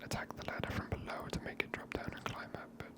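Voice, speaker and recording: Whispered voice, ASMR game commentary, hushed, unhurried, musing aloud, close-miked. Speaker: gaming video host.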